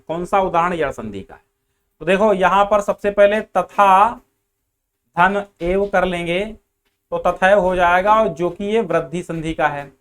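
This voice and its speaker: Guy teaching grammar online, high clear voice, repeats answers back to the class. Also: a bit bright. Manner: explains step by step, repeats answers, addresses students as beta. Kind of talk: online exam-prep class.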